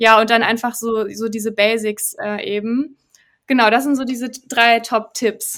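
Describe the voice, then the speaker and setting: A woman with a fairly high pitch speaks at a fairly slow pace in a flat monotone, captured in a very clean recording with a silent background. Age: 30s. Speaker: biotechnologist sharing her illness story. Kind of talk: interview.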